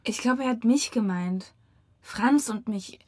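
A woman's voice: fairly high pitch, a little slow, a little mellow, breathy edge. An actress playing a distraught but defiant young woman in a German radio crime drama. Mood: bitter. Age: young adult.

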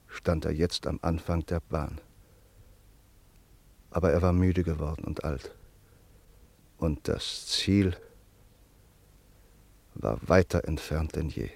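A man acting a sombre friend who narrates a German radio play in a measured, grave, deliberate way. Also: deep voice, vocal fry, a little mellow, husky, no room sound, heavily acted. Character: sombre male friend recounting an exile's fate.

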